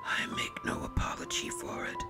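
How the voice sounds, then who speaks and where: A man voicing a menacing spider lord in a storybook tale, calm and patient, in a dry, dusty, raspy whisper. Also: over music, close to an everyday voice. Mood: cold contempt. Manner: calm, slow, deliberate menace.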